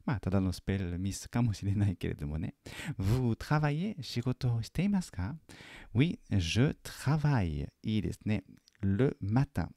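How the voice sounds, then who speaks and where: A man teaching French in a lesson video, patiently correcting a student's homework and repeating French phrases slowly and carefully. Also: on the low side, lively intonation, gravelly, mellow, no echo, studio quality.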